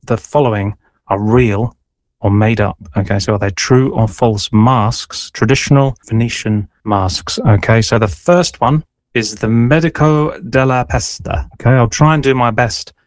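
A man's voice: mid-range voice, a little slow, dry recording. A man hosting a conversational interview, explaining things in a loose, hedging way. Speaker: interviewer, host.

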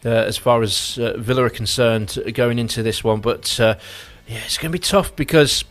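A man's voice: mid-range voice, moderate pace, faint music behind. A man presenting a local radio sport slot, chatty and teasing, with plenty of ums and restarts. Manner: chatty, teasing, loose with fillers. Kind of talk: hosting a football predictions segment.

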